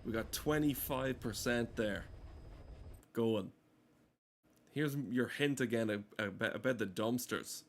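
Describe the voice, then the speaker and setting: Deadpan rambling man with background noise. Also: medium pitch, slow, long pauses. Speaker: gameplay streamer. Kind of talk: rambling comedic game commentary.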